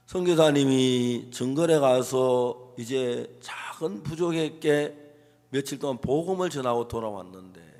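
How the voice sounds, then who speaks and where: A man preaching a sermon, telling a story with acted quotes and swinging between hushed and emphatic delivery. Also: medium pitch, lively intonation, a little slow. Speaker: pastor. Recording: long reverb of a large hall.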